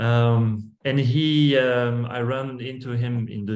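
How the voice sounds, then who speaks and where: A man is speaking. He has a Flemish accent. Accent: non-native, Flemish-Belgian. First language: Flemish (Dutch). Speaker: hypnotherapist. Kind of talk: online talk to a group. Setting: video call. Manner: halting, many fillers.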